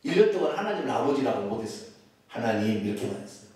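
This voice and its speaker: A male pastor preaching an animated sermon, calling out loudly and leading the congregation to repeat after him. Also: medium pitch, racing. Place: church sanctuary. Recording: echoey church hall from far off.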